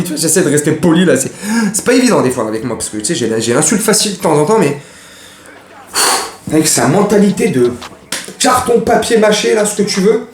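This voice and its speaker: A man's voice: fairly high pitch, reverberant, slight background noise. A man chatting casually about football transfers, rambling and joking in slang and speaking straight to his viewers. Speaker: football vlogger. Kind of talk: casual mercato chat to camera.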